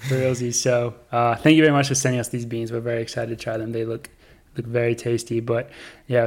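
A young man with a New Zealand accent, co-hosting a casual running podcast in a relaxed, rambling way. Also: mid-range voice. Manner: relaxed, rambling, laughs often. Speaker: podcast co-host. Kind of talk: casual chat.

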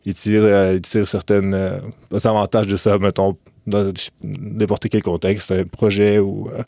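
Deep, flat-voiced young man, hesitant. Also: measured pace, gravelly, no echo. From Ukraine. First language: Russian. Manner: hesitant, many fillers and restarts. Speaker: guest. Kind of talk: relaxed interview talk.

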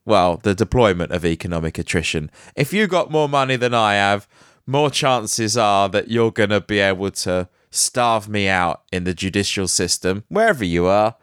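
A man's voice: fairly low pitch, lively intonation, moderate pace, a bit bright, clear, resonant tone, dry recording, studio quality. Nasal man chatting about tech news. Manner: reads news with joking asides and laughs. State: nasal from hay fever. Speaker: podcast host. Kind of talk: casual news commentary.

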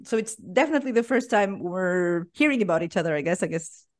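A woman's voice: on the low side, animated, fast. A woman hosting a casual podcast, chatty and laughing often as she introduces her guests. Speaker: podcast host.

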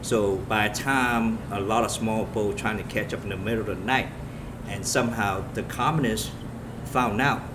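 A man from Vietnam, a police officer telling his story in an interview in earnest, halting short phrases. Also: lowish voice. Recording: noisy room with steady background hum.

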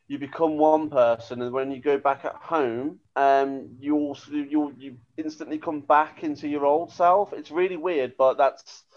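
A man's voice: a little high, steady tone, a little slow, few pauses. A man with a Birmingham accent chatting casually as a podcast co-host, rambling and hesitant with lots of fillers. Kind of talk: casual chat. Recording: dull lo-fi sound.

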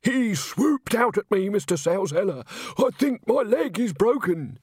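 A man voicing a shaken, self-important scenery painter in an excitable, plaintive, drawn-out way. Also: sits high, gravelly, no room sound, clean studio sound, pitched above the performer's own voice, exaggerated voice. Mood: self-dramatising.

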